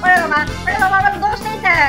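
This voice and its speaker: A woman's voice: extremely high pitch, very fast, music in the background. A woman voicing an eager, fawning young male skeleton ghost in a children's cartoon, repeating himself. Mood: frightened, pleading. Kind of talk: Bengali children's cartoon voice acting.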